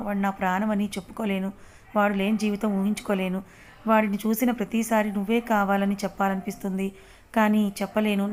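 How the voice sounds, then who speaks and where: Fast, flat-voiced woman storyteller. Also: medium pitch. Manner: reads every character's lines in her own voice. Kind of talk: reading a family drama story aloud.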